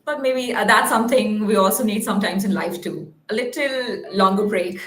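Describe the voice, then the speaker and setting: A woman's voice: mid-range voice, moderate pace, a bit bright. A woman hosting an unscripted live call-in show in an informal, chatty way. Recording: roomy, echoing sound.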